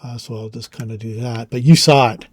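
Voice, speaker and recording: A man narrating as game master of a tabletop game in a relaxed, halting way with many fillers. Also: medium pitch, dry recording.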